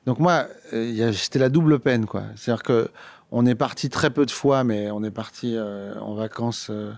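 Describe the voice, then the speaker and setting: A man's voice: medium pitch, moderate pace, a little mellow, no echo. A man from France recounting his childhood in an interview, hesitant, with many fillers and restarts. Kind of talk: personal storytelling in conversation.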